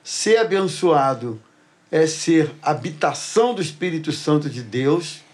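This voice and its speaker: A middle-aged man hosts a church talk program. His voice sits fairly high for a man, and he tells stories with lively energy, acting out each person's lines. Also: unhurried. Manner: lively storyteller who acts out dialogue. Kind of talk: animated storytelling and Bible talk.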